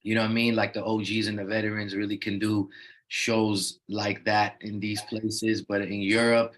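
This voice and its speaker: A man's voice: lowish voice, level tone, normal speed, fairly bright tone. A young man raised in the Netherlands, a rapper talking as an interview guest in a laid-back, loose way with lots of "you know what I mean" fillers. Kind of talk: casual interview talk.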